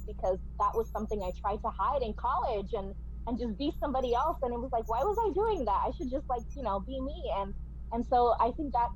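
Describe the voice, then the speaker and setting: A woman's voice: a little high, slight background noise, poor audio. A woman from New York City, guest on a podcast, talking earnestly and passionately, often restarting her sentences. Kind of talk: heartfelt interview talk.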